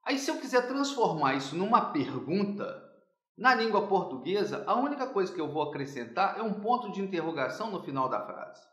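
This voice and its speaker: A man's voice: high voice, very animated, fairly quick, a bit bright, roomy sound. A businessman who runs an English school, explaining in a teaching manner during an interview and checking in often with his listener. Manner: didactic, checks in with "tá certo?" often.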